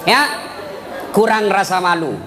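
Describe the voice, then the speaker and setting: A man preaching a comic sermon at a live gathering, joking and often shouting. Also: high-pitched, expressive, unhurried, a crowd in the background, background noise. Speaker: Islamic preacher. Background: audience laughter.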